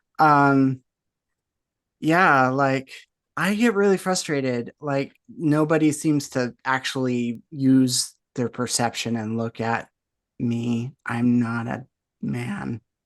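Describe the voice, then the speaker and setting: A woman speaks at a very slow pace in a very deep, low pitch, with ordinary pitch variation. The background is quiet. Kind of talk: panel discussion.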